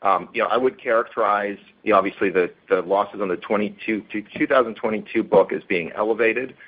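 Low-voiced man on a tinny phone line. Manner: halting, repeats words and restarts often. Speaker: company executive. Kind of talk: answering analyst questions on an earnings call.

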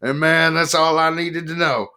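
A man voicing a rowdy, boastful drunk male biker fan who rambles loudly. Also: a little high, steady tone, moderate pace, clear, resonant tone, voice pushed up. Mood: boisterous.

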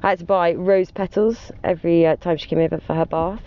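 A British man with a fairly high voice tells stories casually and emphatically, full of gushing emphasis. The recording is a little dull, with faint background noise. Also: steady tone, fairly quick. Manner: chatty, gushing, emphatic with exclamations and intensifiers. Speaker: interview guest, former personal assistant to wealthy clients. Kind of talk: casual anecdotal chat.

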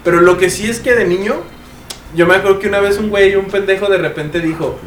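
A man's voice: high voice, fairly even intonation, quick pace. A young man with a Mexican accent, a podcast co-host who tells stories in a chatty, rambling way and often cuts in. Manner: chatty, rambling, keeps cutting in. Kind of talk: casual storytelling among friends. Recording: echoey room, off-mic, faint noise.

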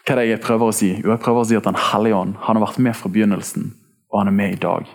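A man preaching in a lively, casual way, throwing in slang as he addresses his church. His voice sits fairly low and has a gravelly, husky edge. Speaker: pastor. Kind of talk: sermon.

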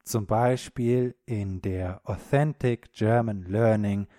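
Male podcast language teacher, encouraging, mellow voice, dry close sound. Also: fairly low pitch, slow, no echo. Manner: encouraging, checks in with "Ja?". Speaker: podcast host and German teacher. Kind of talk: slow, clear podcast lesson for German learners.

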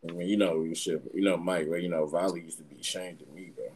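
A man with an African American accent bantering casually as a podcast co-host, animated and slangy, often repeating himself. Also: deep voice, quick pace, slight background noise. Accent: African American English.

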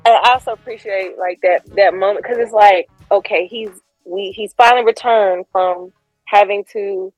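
A woman's voice: medium pitch, steady tone, normal speed, darkish tone, no room sound, soft background music, low-quality recording. A woman co-hosting a podcast, chatting playfully and laughing as she acts out quotes. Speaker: podcast co-host. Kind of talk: casual chat.

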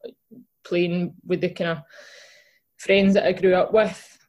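A woman's voice: on the low side, level tone, a little slow, darkish tone. A young woman with a Glaswegian accent, a guest chatting casually in an interview, with lots of fillers and restarts. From Scotland. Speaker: guest, footballer and podcast co-host.

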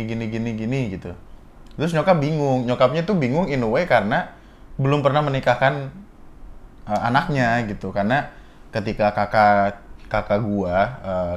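A young man tells a story in a casual co-hosted chat. He talks in slang with quick asides. He often restarts his sentences. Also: medium pitch.

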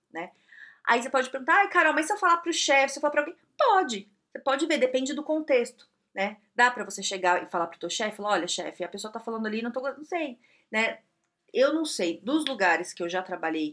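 A woman's voice: mid-range voice, fairly bright tone. A woman giving casual, chatty advice and acting out little dialogues. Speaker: advice giver.

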